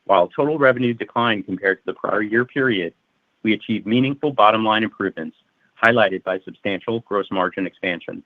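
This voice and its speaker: A man's voice: lowish voice, fairly quick, dry recording. A male finance executive reading prepared financial results in a formal, methodical way. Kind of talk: prepared financial results presentation, read aloud. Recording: narrow-band phone conference line.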